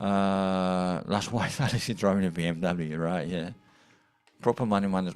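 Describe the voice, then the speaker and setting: A man speaks in a very deep, low voice at a moderate pace. Music plays in the background. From Greece. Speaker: crypto trading educator. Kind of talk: live-stream trading tutorial. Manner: casual, repetitive.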